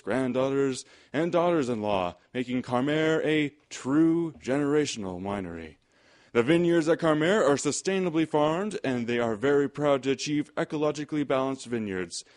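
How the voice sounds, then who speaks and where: Medium-pitched male radio announcer. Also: darkish tone. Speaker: announcer reading a sponsor message. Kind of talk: scripted radio ad narration.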